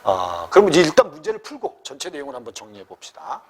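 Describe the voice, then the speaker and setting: A man's voice: medium pitch, wildly swooping pitch, quick pace. A man teaching a literature lesson for exam prep, often checking that students follow. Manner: keeps checking with students, questioning.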